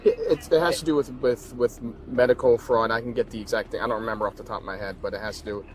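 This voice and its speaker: A male police officer explaining things casually to someone he is arresting, halting and repeating his phrases as he reassures, picked up on a body camera outdoors. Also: fairly low pitch, steady tone, poor audio. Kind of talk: casual explanatory talk to a person being arrested. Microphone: body-worn camera. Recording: bodycam audio with vehicle sounds.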